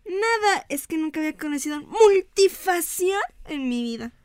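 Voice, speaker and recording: A woman playing a sarcastic young office assistant in a radio comedy sketch, delivering slow, mocking remarks. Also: extremely high pitch, animated, darkish tone, no room sound, clean studio sound.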